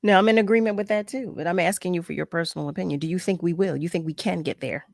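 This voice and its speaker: A woman's voice: lowish voice, fast, creaky, no echo. Probing woman radio host, dry sound. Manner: probing, careful, repeats questions. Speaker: radio talk show host. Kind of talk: casual radio interview.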